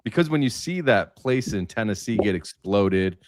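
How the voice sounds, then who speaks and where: A man's voice: lowish voice, animated, normal speed, dry recording, studio quality. A man talking casually in a roundtable discussion, with informal, slangy and emphatic phrasing. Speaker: livestream panelist.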